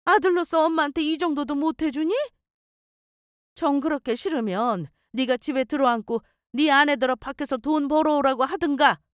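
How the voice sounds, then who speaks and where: A woman's voice: sits high, no room sound, studio quality, pitched above the performer's own voice, natural voice. A woman voicing a scolding older mother who guilt-trips her son, nagging and reproachful.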